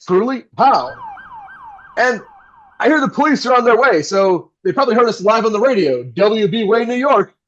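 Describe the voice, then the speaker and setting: An actor playing a polished, wry and nervous live radio host in an audio play, with a theatrical announcer delivery. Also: male voice, high voice, expressive, moderate pace, fairly bright tone, lo-fi sound. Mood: wry, showy. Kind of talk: old-time radio play acting.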